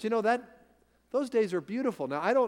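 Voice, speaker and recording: Lively intonation runs through what a man says. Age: 60s. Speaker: pastor. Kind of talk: sermon. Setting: church.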